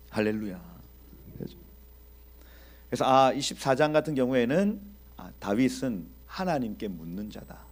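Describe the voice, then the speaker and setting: A man teaching a Bible exposition in an animated preaching style, speaking directly to his audience and acting out scenes. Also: mid-range voice, husky. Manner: animated, acts out quoted dialogue.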